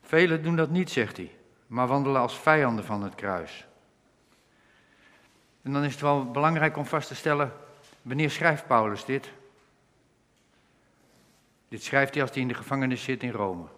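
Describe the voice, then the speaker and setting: A man preaching a sermon, earnestly explaining Bible verses and slowing down when he quotes scripture. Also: mid-range voice, fairly bright tone, long reverb tail.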